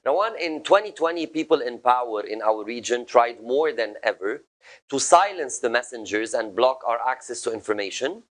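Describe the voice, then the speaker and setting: A man with a mid-range voice moderates an online panel. He reads a prepared introduction in a steady way, then puts his question to the next speaker with a few hesitations. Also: medium pitch, moderate pace. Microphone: video call.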